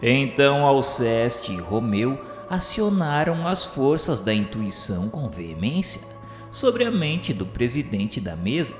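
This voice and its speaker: A man's voice: mid-range voice, very animated. A man with a Brazilian accent gives a solemn, formal, scripted literary narration in the style of a radio novela. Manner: solemn, formal, measured delivery. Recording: echoey hall-like reverb, music behind. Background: music.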